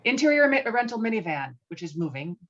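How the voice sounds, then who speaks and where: A woman's voice: fairly high pitch, very animated, fast. A woman narrating stage directions from a film script at a virtual table read. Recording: dull, lo-fi video-call audio.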